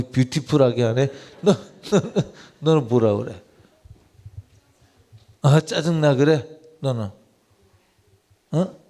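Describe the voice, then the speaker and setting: Gravelly, animated male pastor preaching. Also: mid-range voice. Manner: conversational, quizzes listeners directly. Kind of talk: sermon. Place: church sanctuary.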